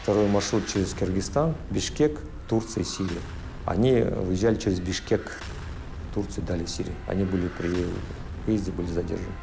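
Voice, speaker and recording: A man's voice: deep voice, normal speed, vocal fry. A man giving a factual interview account in clipped, fragmentary phrases. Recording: noisy, with ambient vehicle sounds.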